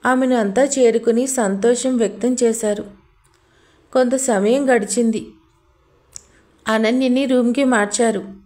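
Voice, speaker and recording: A woman's voice: a little high, fairly even intonation, unhurried, long pauses, darkish tone. A woman narrating a romantic audio story in a scripted, dramatic, emotional way.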